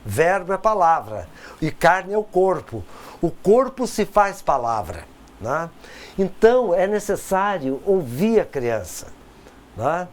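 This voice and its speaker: A man delivers a recorded course lecture conversationally, pausing, repeating words, and often using tag questions. His voice is high and sing-song.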